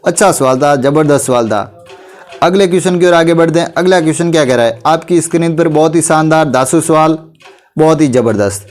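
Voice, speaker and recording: A man's voice: a little high, darkish tone, soft background music. A male teacher with a sore throat, running a quiz revision class and urging students on with repeated friendly address. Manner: repeats "bhai", urges students to answer quickly.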